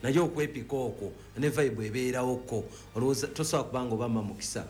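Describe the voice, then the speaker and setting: Male football pundit, Ugandan accent, rapid-fire discussion, mixed English phrases, faint noise. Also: medium pitch, darkish tone. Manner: mixes in English words and phrases. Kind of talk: sports discussion.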